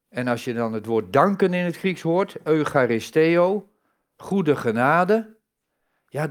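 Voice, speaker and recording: A man giving a sermon in a conversational way, asking the congregation rhetorical questions and stressing key words. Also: fairly high pitch. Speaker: preacher.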